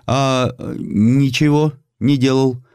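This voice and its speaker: A male narrator acts out a distraught peasant woman on the witness stand in an audio drama. The pitch sits well above his own, the speech plain and full of feeling, in a dry, close recording. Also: fairly even intonation, takes it slowly, darkish tone, smooth, dry recording, lightly acted. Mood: agitated. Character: distraught village woman testifying about atrocities.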